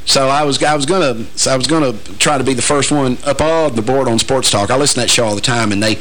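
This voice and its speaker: A man, hosting a radio interview in a teasing, joking way with halting restarts. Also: medium pitch, a bit bright, rough recording. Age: 40s. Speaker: radio show host. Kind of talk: casual interview chat.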